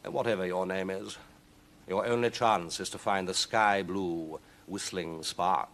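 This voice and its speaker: A man voicing a sly, imperious demon cat in a storybook, with a smug, deliberate drawl. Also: low voice, steady tone, fairly bright tone. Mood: smug, taunting.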